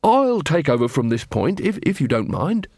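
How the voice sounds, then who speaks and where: A man's voice: a little high, sing-song, normal speed, a little mellow, no room sound, studio quality. A man voicing an earnest, polite watch officer in a storybook, mildly and courteously reasoning. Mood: polite firmness.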